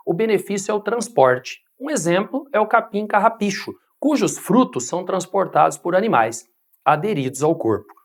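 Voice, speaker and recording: Female teacher voice-over, low pitch, animated intonation, measured scripted delivery. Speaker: biology teacher. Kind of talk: scripted lesson narration.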